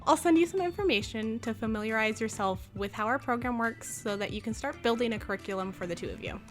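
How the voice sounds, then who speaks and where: A woman's voice: fairly high pitch, expressive, quick pace, faint music behind, natural voice. A woman playing a gracious, encouraging school leader in an audio drama, speaking politely and rather formally.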